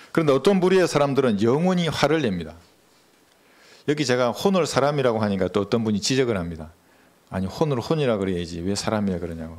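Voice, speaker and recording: A man preaching a sermon as pastor, speaking in a measured, earnest way and asking the congregation questions. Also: fairly low pitch, a little mellow.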